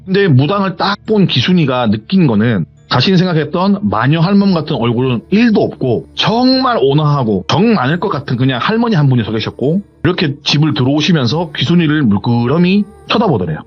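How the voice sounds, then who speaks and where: A man's voice: medium pitch, breathy edge. A man retelling a viewer's horror story in a rambling, conversational way, on a muffled recording with faint music. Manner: retelling with hearsay endings, rambling and animated.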